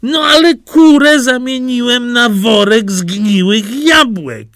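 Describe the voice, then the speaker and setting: A man's voice: very high voice, expressive, takes it slowly, a bit bright, dry recording, clean studio sound, voice pushed up, exaggerated voice. A man voicing a simple, good-natured old farmer who speaks earnestly, in a storybook reading.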